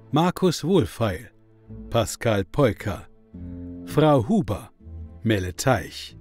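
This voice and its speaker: A man's voice: mid-range voice, darkish tone. A man reading scripted credits as the announcer of an audio play.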